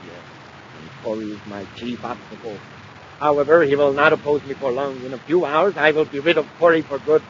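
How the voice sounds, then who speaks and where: A man's voice: medium pitch, fairly quick, natural voice. A vain, imperious nobleman villain acted by a man from a 1950s radio adventure. He speaks with pompous, theatrical grandeur. The old recording is dull and slightly noisy. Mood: imperious, confident. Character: vain, imperious aristocratic villain bent on ruling the universe.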